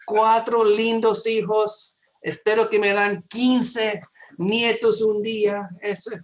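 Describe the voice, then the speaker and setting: American-accented lawyer speaking Spanish. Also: male voice, high-pitched, level tone, low-quality recording. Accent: American English. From New York, USA. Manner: friendly, halting Spanish with restarts. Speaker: immigration and real estate lawyer. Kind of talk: guest on a webinar.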